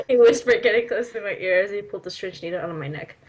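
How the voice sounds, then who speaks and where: A woman's voice: medium pitch, husky. A woman casually reading amateur fan fiction aloud, giggly and teasing with joking asides. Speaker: story reader.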